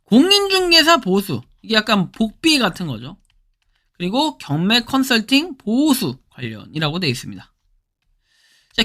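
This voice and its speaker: A woman with a hoarse throat hosting her own channel, giving casual spoken commentary as she explains what is on her screen and often starts sentences with a prompting word. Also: a little high, bright, forceful tone. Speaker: crypto channel host.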